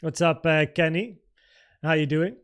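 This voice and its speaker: Male livestream host, 30s, native Dutch speaker, slightly high voice, informal market commentary and Q&A, thinking aloud. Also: measured pace, fairly bright tone, clear, resonant tone. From the Netherlands.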